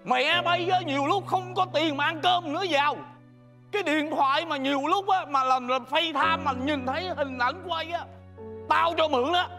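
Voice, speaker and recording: A man's voice: very high voice, moderate pace, pushed and bright, soft background music, heavily acted. A man playing a blunt, teasing male neighbor in a stage comedy sketch.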